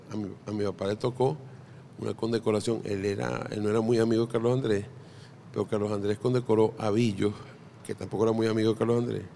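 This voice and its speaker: A man's voice: fairly low pitch, vocal fry, warm tone, a little hiss or hum. A middle-aged Venezuelan man, a podcast guest, chatting casually and telling anecdotes with jokes and frequent restarts. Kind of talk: casual interview chat.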